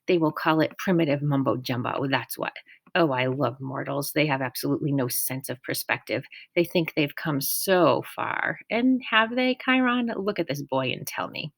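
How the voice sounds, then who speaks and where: A woman's voice: deep voice, normal speed, vocal fry, no room sound, clean studio sound. A woman voicing a mocking, impatient male camp director who scoffs and drawls. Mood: scornful.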